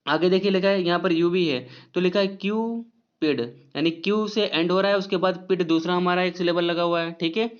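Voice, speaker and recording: A man teaching English spelling rules, spelling out letters slowly and often checking in with his viewers. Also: sits high, smooth. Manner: repeats "ठीक है" often, slow spelled-out letters. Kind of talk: explaining lesson to viewers. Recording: dull lo-fi recording.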